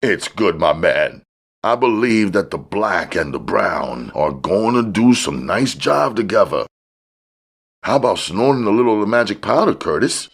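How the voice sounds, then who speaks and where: A man's voice: on the low side, very animated, a little slow, breathy edge, voice pushed up, heavily acted. A man voicing a grinning, coaxing drug supplier in slangy, expansive talk for an audiobook. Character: grinning, mellow, wheedling male drug supplier, street-slang hustler.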